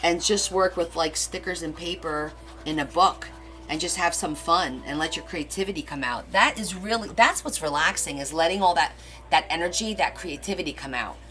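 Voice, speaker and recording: A middle-aged woman whose first language is Portuguese hosts a live crafting stream, chatting casually, rambling, and answering viewer comments. Her voice is deep and a bit bright, with a moderate pace.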